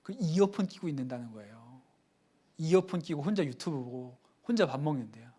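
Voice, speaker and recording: Middle-aged male pastor, somewhat high voice, earnest sermon delivery, lively acted-out quotes. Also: brisk, husky. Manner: earnest preaching, acts out quoted dialogue with lively rises.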